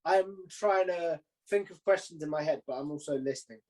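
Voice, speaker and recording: A man's voice: a little high, a little fast, darkish tone. A man hosting a casual, informal interview, asking questions in a conversational way. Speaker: interviewer, host.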